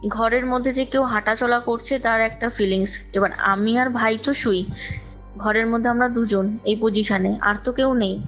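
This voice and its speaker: Woman, highish voice, chatty storytelling w repeats, muffled call audio, bit of music behind. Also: steady tone, normal speed, fairly bright tone. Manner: talkative, repeats phrases for emphasis, mixes in English words. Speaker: guest recounting own ghost experience. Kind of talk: conversational personal storytelling. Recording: dull lo-fi call recording, music underneath.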